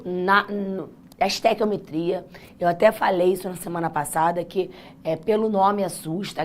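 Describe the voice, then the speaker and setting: A Brazilian woman teaches a live online class in a husky voice that sounds worn and hoarse. She is informal and chatty, speaking straight to her students and encouraging them as she goes. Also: lowish voice, slight background noise. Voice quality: naturally husky, raspy. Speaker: chemistry teacher hosting a live exam-prep class. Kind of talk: live online lesson, informal pep talk.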